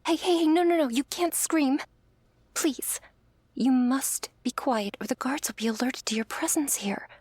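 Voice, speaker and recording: Actress as compassionate, questioning young female angel for ASMR role-play audio drama; husky-soft, hesitant, very dry close sound. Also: a little high, moderate pace, few pauses, no echo. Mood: panicked, pleading. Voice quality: soft, breathy. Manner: earnest, hesitant.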